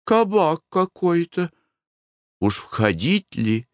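A man's voice: a little high, sing-song, slow, no room sound, clean studio sound, voice pushed up. A man voicing a fussy, squeamish Russian merchant's wife with a disdainful manner.

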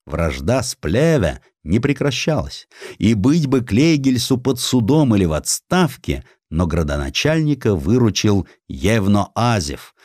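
Male narrator for historical prose: lowish voice, very varied delivery, wry and theatrical, close dry studio sound. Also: a little mellow, no echo. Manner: wry, theatrical storytelling with acted quotes. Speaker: audiobook narrator. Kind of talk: expressive dramatized narration of historical sketches.

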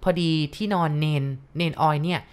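A woman narrating a ghost story for listeners, speaking politely and addressing the audience directly with soft courteous particles. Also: low-pitched, fairly quick.

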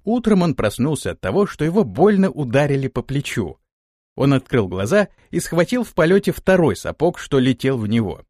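A man narrating an audiobook with expressive storytelling. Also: medium pitch, normal speed, no echo, clean studio sound. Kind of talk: scripted narration.

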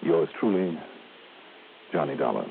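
An actor playing a wry, easygoing investigator in an old radio drama, with an American accent. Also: male voice, a bass voice, big pitch swings, a little slow, creaky, very noisy, exaggerated voice. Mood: matter-of-fact. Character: wry, easygoing male investigator narrating his cases. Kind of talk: 1960s radio drama acting. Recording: tinny old radio, music behind.

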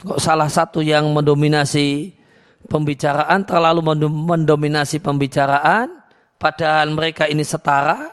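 A man giving an Islamic lecture on hadith, explaining calmly with many restarts and reciting Arabic verses before translating them. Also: a little high, normal speed, clear, resonant tone. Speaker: Islamic teacher.

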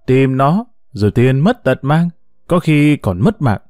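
A man voicing a boastful, dismissive older village medic with a booming voice, in a storybook reading. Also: sing-song, unhurried, no room sound, clean studio sound. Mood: scornful. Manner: loud, scornful.

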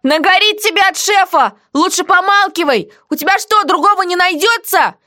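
A woman's voice: very high-pitched, moderate pace, sharp tone, voice pushed up. A woman voicing a defiant, cheeky female prisoner who answers with mocking, sassy retorts.

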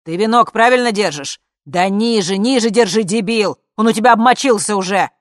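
A woman reading an audiobook, voicing a frantic woman yelling bossy orders over a video link. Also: a bass voice, little pitch movement, measured pace, no echo, studio quality. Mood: frantic shouting.

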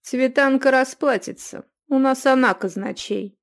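A woman's voice: medium pitch, normal speed, mellow, close to an everyday voice. A woman reader voicing an indignant, sulky young man who has been posing as a lady.

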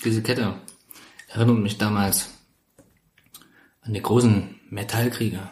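A man playing a proud, melodramatic welder in a tabletop game, telling his past in a halting, mock-solemn way. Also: lowish voice, steady tone, a little mellow, reverberant, slight background noise. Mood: mock-solemn nostalgia.

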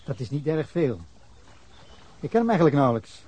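A man's voice: a little high, big pitch swings, a little fast, mellow, slightly rough. An actor playing a wary male journalist being questioned by police in a radio drama. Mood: guarded. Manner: guarded, dismissive.

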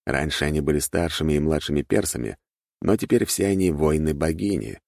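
A man narrating a fantasy audiobook in a steady, even reading voice, recorded close to the mic. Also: a bass voice, a little fast, vocal fry, no echo.

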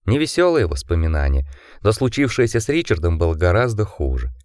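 A man reads an audiobook aloud in a low voice that swings widely in pitch. His delivery is dramatic and expressive. The recording is close and dry. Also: brisk, no echo. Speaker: audiobook narrator. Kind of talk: audiobook narration.

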